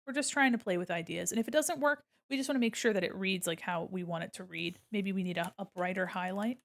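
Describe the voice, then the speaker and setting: A woman streams casually while she draws, talking through each step at a medium pitch. She is gentle and encouraging, explaining things simply like an art teacher chatting with viewers. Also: fast. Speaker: art streamer and critique host. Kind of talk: casual livestream commentary while drawing, reading chat aloud.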